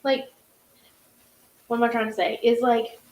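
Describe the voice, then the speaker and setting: A woman's voice: fairly high pitch, flat delivery, normal speed. A woman hosting a casual chat about books, rambling with many fillers and restarts. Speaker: host. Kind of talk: casual video-call chat. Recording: roomy echo.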